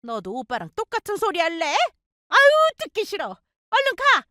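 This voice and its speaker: A woman voicing a bossy older mother-in-law who scolds and shouts indignantly. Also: very high voice, huge pitch swings, moderate pace, dry recording, studio quality, pitched above the performer's own voice, heavily acted. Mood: angry scolding.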